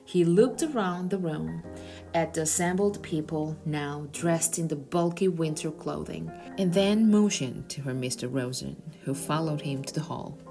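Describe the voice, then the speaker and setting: A woman reads a children's novel aloud as its narrator. Her voice sits a little low, with soft music playing behind it. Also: unhurried, gravelly.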